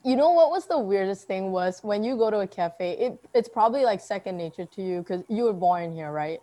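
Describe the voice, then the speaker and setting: A young woman from Singapore with a softened Singaporean accent, chatting casually as a podcast host with quick asides. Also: medium pitch, animated. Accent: Singaporean, softened toward American. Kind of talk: casual conversation.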